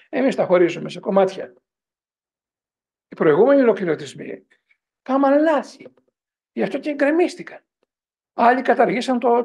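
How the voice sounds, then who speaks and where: Gravelly, high-pitched man lecturing. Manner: rhetorical, keeps asking the audience to agree; animated, digressive storytelling. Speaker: priest and university professor giving a lecture. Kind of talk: lecture to a parents' group.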